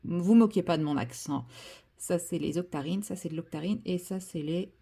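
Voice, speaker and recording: A woman's voice: on the low side, moderate pace, gravelly, dark tone. A woman chatting casually while she paints, full of fillers and self-deprecating asides. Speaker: vlogger.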